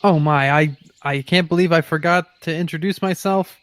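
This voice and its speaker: A man's voice: fairly high pitch, moderate pace, a bit bright, lightly acted. A man playing a confident, cheerful ranger in a tabletop role-playing game, with flowery, earnest phrasing. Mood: flustered, polite. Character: confident, cheerful male ranger, eager storytelling adventurer.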